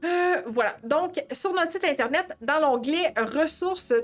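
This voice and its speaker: Speaking at a very slow pace with lively intonation, a woman talks in a Quebec accent. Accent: Québécois French. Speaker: dog trainer. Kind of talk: live stream talk. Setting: Facebook live. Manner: many filler hesitations.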